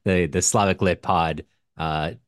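Deep-voiced man, casual and discursive. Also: fairly even intonation, unhurried, no room sound, studio quality. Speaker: podcast co-host.

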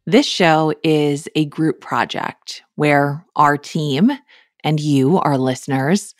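A woman's voice: sits low, fairly even intonation, takes it slowly, no echo. A woman podcast host reading an upbeat sponsor message and introducing her show. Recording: studio read over clear music.

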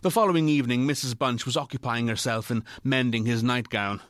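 A man narrating a literary ghost story in a measured, formal way. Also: medium pitch, a bit bright, no room sound, studio quality, lightly acted.

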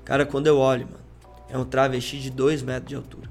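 A man's voice: mid-range voice, flat delivery, fast, creaky. Slangy man telling a story with faint music. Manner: slangy, peppers speech with "cara" and "mano"; acts out quoted dialogue in changing voices. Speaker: podcast guest. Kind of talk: animated storytelling in casual chat.

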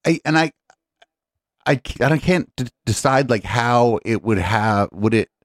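A man's voice: medium pitch, expressive, a little slow, no room sound, clean studio sound. A man presenting news stories on a podcast panel, casual and joking, with lots of fillers and restarts. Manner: rambling, joking, many fillers. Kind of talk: casual tech news chat.

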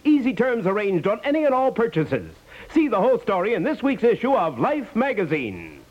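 A man delivering a scripted 1950s radio advertising pitch. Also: huge pitch swings, fairly quick. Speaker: commercial announcer. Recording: muffled 1950s radio recording.

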